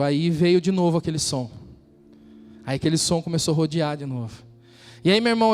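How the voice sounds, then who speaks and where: A male preacher telling a personal story in a sermon, rising into loud, fervent exhortation. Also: high-pitched, in a large hall.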